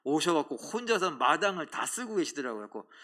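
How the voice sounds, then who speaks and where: In a church sanctuary, a middle-aged pastor preaches a sermon in a fast, somewhat high voice, lively and animated. He acts out the voices of churchgoers as he goes.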